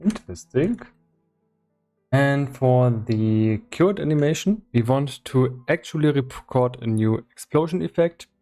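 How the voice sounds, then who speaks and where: A man doing casual livestream commentary as he works on game development, thinking aloud in a halting way. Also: mid-range voice, lively intonation, warm tone, faint music behind. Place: indoors in his own room.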